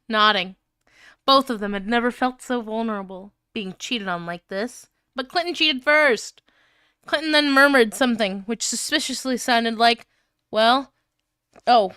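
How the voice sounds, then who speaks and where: A woman with a high, bright voice reads a story aloud in a casual livestream manner. She takes her time, often cracking up and tossing in crude asides, with a crisp, clean delivery. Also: no echo, studio quality. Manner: giggly, often breaking up while reading; crude, swearing banter. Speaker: stream co-host reading fan fiction aloud.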